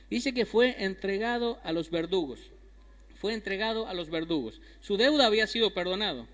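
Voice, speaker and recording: A man's voice: very high-pitched, fairly bright tone. A man preaching a sermon, emphatic, repeating key phrases and asking his listeners questions. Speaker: pastor. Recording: long hall reverb.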